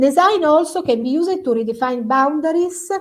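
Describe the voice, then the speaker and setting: With an Italian accent and lively intonation, a woman speaks at a high pitch and moderate pace amid audible room echo and noticeable background noise. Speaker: professor. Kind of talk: lecture. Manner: halting.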